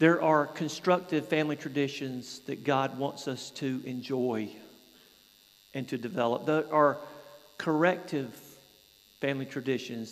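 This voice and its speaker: A man with a Southern US accent speaks fairly slowly with ordinary pitch variation and long, frequent pauses. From US South, Atlanta, Georgia. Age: old. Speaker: visiting retired Baptist pastor. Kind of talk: sermon. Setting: church.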